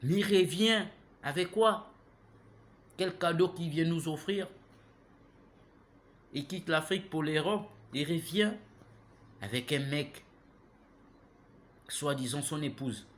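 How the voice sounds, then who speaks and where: A man, giving an impassioned, preachy monologue that keeps turning to the listener with "hein?" and grows loud and heated. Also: a little high, slow pace, long pauses, a little hiss or hum. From Gabon. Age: 30s. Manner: preachy, repeats himself, asks listeners "hein?". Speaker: vlogger.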